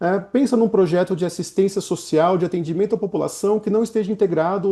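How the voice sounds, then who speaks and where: A man's dark, mellow tone at a very fast pace, with ordinary pitch variation. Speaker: public administration professor. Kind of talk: webinar lecture.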